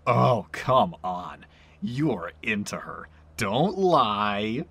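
A man's voice: fairly low pitch, sing-song, very slow, a bit bright, slightly rough, full character voice. A man playing a teasing, wisecracking train crewman in an audio drama, sarcastic and exaggerated.

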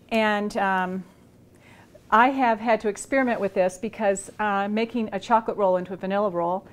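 A woman in her sixties hosting a cooking demonstration in a large home kitchen, chatting casually as she works with her hands. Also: mid-range voice. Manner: relaxed and chatty, talking while working with her hands. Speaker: cooking show host.

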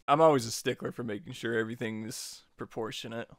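A man narrating a software tutorial in a chatty, informal way, guiding step by step. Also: medium pitch, fairly even intonation, fairly quick, no echo, clean studio sound. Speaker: tutorial host.

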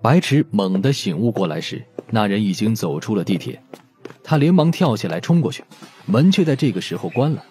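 A man narrating an audiobook story in an expressive, scripted storytelling style. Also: on the low side, fairly quick. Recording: music behind the voice.

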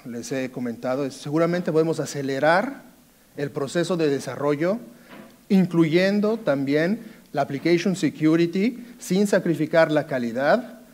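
A man's voice: medium pitch, darkish tone. Hesitant man with an Italian accent. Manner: hesitant, many fillers and restarts. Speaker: conference speaker, sales engineer. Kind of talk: conference presentation. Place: large dark stage.

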